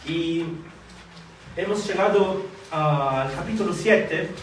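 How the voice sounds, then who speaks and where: Preacher in a big echoey hall. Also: male voice, on the high side, recorded from a distance, a little hiss or hum. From Italy. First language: Italian or Filipino language. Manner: halting, many fillers and restarts. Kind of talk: sermon and prayer. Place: church hall.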